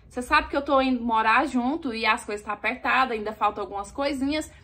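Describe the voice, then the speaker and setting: A woman's voice: on the high side, fast talker, sharp tone. A Brazilian woman quoting her young female friend in a storytelling video, matter-of-fact and bargaining. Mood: businesslike. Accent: Brazilian Portuguese. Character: pushy young female friend selling a favor.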